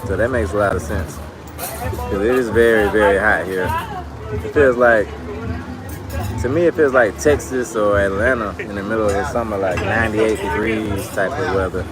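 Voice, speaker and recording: A fairly low-voiced male travel vlogger chats loosely at ordinary speed to the camera, saying "like" constantly. He's outdoors at night in a bar area, and the street recording carries crowd noise plus loud music from the bars close by.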